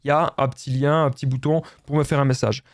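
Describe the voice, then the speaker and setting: A man's voice: medium pitch, little pitch movement, fast, dry recording, clean studio sound. A man with a Belgian French accent giving relationship advice straight to his viewers, insistent and repetitive, often calling them his friends. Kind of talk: direct-to-camera advice talk.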